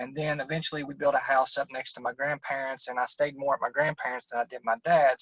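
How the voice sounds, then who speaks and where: A man talks at a fairly high pitch in a monotone, flat delivery. The sound is dry and close, with no echo. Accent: Appalachian. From West Virginia. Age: 30s. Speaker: person in addiction recovery. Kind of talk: testimony.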